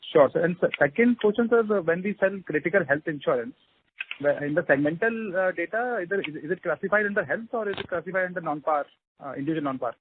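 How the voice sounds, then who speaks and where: A quick-speaking man with a slightly high voice calls in as an analyst. He is deferential and stumbles a little, on a thin phone line with faint noise. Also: animated. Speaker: analyst caller. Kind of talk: asking questions on earnings call. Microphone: telephone.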